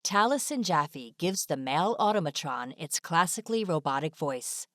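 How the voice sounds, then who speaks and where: A woman's voice: sits low, expressive, normal speed, dry recording, clean studio sound. A woman reading scripted narration for an online video as a voice-over. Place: close, dry voice-over recording.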